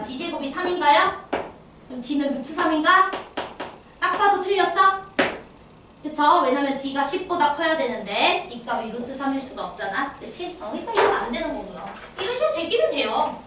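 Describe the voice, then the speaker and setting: A woman's voice: high-pitched, very animated, normal speed. A woman math teacher lecturing exam students, often checking if they follow along. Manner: checks understanding with constant tag questions. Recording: echoey room, distant mic, faint noise.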